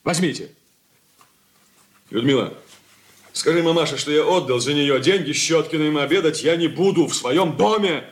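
An actor playing a cold, irritable grown son who answers curtly in a radio play. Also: male voice, a little high, moderate pace, pauses often, close to an everyday voice. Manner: curt and dry. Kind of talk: 1980s studio radio play acting.

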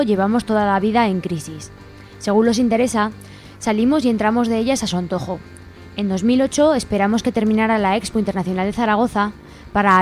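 A woman with an accent from Spain reading an indignant, scripted editorial as a radio presenter. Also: mid-range voice. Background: music under the voice.

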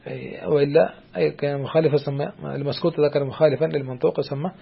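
A man teaching a classical text of Islamic jurisprudence to a student. He talks hesitantly, with many drawn-out fillers and restarts, and keeps checking that the student follows. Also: fairly high pitch, fairly even intonation, gravelly, slightly rough, muffled recording.

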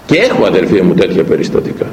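A male priest giving a sermon, emphatic and full of rhetorical questions, rising loud and dropping low. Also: wildly swooping pitch. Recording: roomy echo, faint noise.

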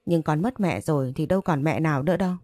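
A woman's voice: sits low, quick pace, dark tone, no echo. A woman voicing a hysterical grieving adult daughter who rants accusations and sobs pleas, in a storybook reading. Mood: bitter.

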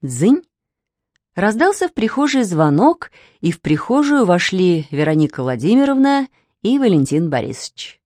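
A woman's voice: on the low side, no echo. Woman reading a kids story, lots of ups and downs in her voice, dry close mic. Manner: expressive, slow and deliberate. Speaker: narrator.

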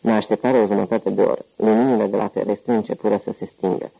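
A man narrating an audiobook novel with a steady, measured reading. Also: lowish voice, creaky, breathy edge, rough recording. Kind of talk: scripted narration.

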